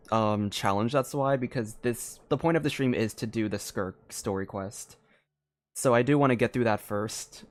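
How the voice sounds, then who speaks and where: A man giving casual live commentary as a game streamer, thinking aloud in a hesitant way. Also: fairly low pitch.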